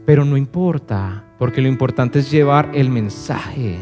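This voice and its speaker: Conversational male pastor preaching over soft piano. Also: unhurried. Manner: conversational preaching with rhetorical questions to the congregation; acts out other voices with dramatic pitch swings. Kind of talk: sermon. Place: church service.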